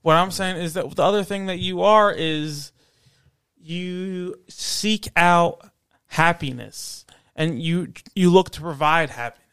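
A man's voice: high-pitched, slow pace, a bit bright, smooth, no echo. A man talking in casual podcast banter, earnest and repeating himself as he coaxes his friends. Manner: earnest, repetitive, coaxing. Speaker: podcast co-host.

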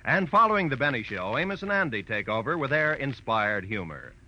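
A man's voice: medium pitch, very animated, a little fast. A man with an American accent reading scripted announcements as a 1940s radio network announcer. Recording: dull vintage radio broadcast with music.

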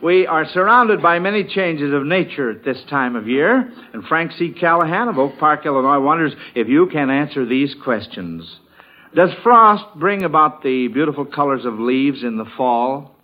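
A man's voice: fairly high pitch, lively intonation, normal speed, lo-fi sound. A man hosting a classic radio quiz show in an encouraging, chatty manner, on an old broadcast recording.

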